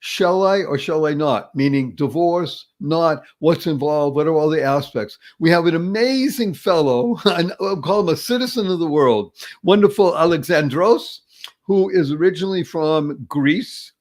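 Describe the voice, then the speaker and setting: A man's voice: a little high, expressive, moderate pace, darkish tone. A man hosting an online talk show in a showy, upbeat style, stringing together alliterative praise.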